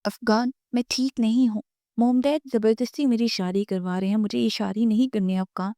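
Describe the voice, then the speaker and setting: A woman's voice: fairly high pitch, steady tone, mellow, no room sound, clean studio sound, lightly acted. Woman doing a tearful, pleading young woman.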